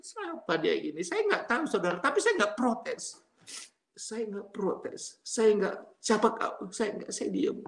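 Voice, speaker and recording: A man's voice: extremely high pitch, reverberant. A man giving an earnest, emotional testimony sermon to a congregation, often turning to address his listeners directly. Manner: emotional, voice swinging between hushed and raised. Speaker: preacher giving a conversion testimony.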